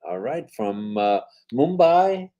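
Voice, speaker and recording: A man's voice: medium pitch, big pitch swings, slow pace, dark tone, highs cut off. An older man co-hosting a casual live-stream chat, reading viewer comments aloud in an upbeat, chatty way.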